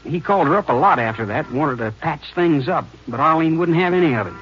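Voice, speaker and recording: Man playing a higher-voiced young country handyman. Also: animated, fairly quick, highs cut off, a little hiss or hum, close to an everyday voice. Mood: subdued, frank. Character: young small-town handyman, cooperative, plain-spoken. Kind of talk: 1950s radio western drama acting. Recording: band-limited 1950s radio recording.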